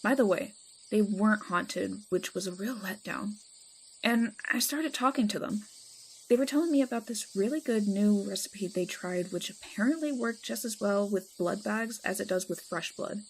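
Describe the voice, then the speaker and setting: A woman's voice: mid-range voice, moderate pace, a little hiss or hum, close to an everyday voice, poor audio. A woman playing a chatty, teasing, affectionate vampire friend in a casual roleplay audio drama. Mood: excited, chatty.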